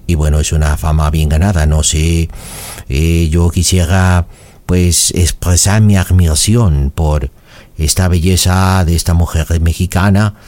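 A man playing a deep-voiced French romancer. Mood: romantic. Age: 40s. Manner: flowery, courtly, slow romantic flattery. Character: smooth-talking French suitor man, middle-aged.

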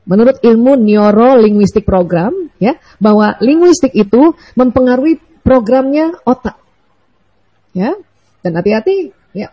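Woman preacher, playful and lively, husky higher voice. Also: highs cut off. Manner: lively, playful, asks the audience questions. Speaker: Islamic lecturer. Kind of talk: religious lecture to mothers.

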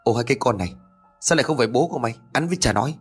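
A man voicing a shrill, fussy older wife. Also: expressive, racing, slightly rough, faint music behind. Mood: scolding. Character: older village wife, fussy then panicked.

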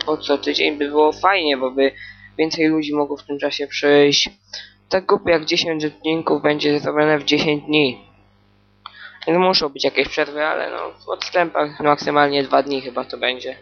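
A man's voice: fairly high pitch, vocal fry, dull audio. A man hosting a solo podcast, chatting in a meandering, hesitant way with lots of fillers. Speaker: podcast host. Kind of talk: rambling solo podcast chat.

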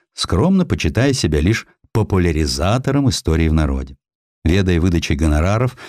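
A man narrating historical sketches as an audiobook reader, in an expressive, theatrical storytelling style at a close studio microphone. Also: low-pitched, no echo.

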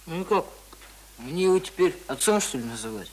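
An unsure, simple schoolboy acted by a man in a radio drama. The voice is somewhat high, with short and plain colloquial replies, over faint noise. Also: expressive, fairly quick, a little mellow, lightly acted, poor audio. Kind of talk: radio play acting.

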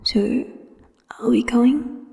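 A woman voicing a playful, teasing male immortal lover in a breathy, murmured whisper for a storybook reading. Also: fairly high pitch, animated, takes it slowly, mellow, big-room sound, voice pushed up, heavily acted.

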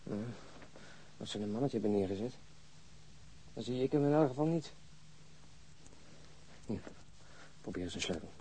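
A man's voice: medium pitch, lively intonation, moderate pace, pauses often, dark tone, a little hiss or hum, close to an everyday voice, poor audio. An actor in a radio drama playing a wry, uneasy policeman with a dry, sardonic, muttering manner. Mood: wary, grumbling. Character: wry, uneasy policeman searching a flat, Lennart. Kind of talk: naturalistic radio drama acting.

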